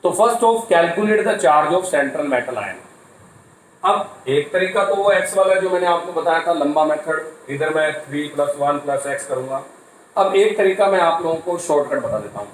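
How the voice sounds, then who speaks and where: A man lectures on chemistry, walking through each step and posing questions that he then answers himself. His voice sits a bit high for a man. He is recorded from a distance in an echoey room, with faint ambience behind him. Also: lively intonation, normal speed, a little hiss or hum. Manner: explanatory, asks and answers his own questions. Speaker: chemistry teacher. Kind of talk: classroom lecture mixing Hindi and English.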